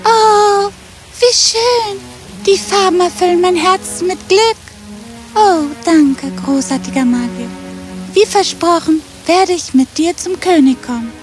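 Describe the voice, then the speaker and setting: Lady doing a proud touchy unicorn for a kids fairy tale, high voice, very dramatic, music playing. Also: takes it slowly. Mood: delighted, grateful. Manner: dramatic, exclaiming. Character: proud, easily angered unicorn longing for a rainbow. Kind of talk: children's fairy tale voice acting. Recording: clear music behind the voice.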